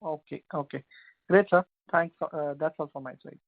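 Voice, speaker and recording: A man's voice: on the high side, fairly even intonation, moderate pace, gravelly. A man asking business questions as an analyst caller. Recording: narrow, tinny phone line.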